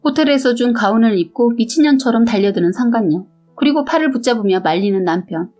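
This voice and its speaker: Woman, story reader, steady narration, higher voice, soft music behind. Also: quick pace. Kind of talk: read-aloud story narration.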